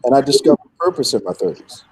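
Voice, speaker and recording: An older man, a bishop, telling personal reflections conversationally in a measured, emphatic way. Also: mid-range voice, sing-song, a little mellow, husky, rough recording. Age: middle-aged or older. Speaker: bishop, guest.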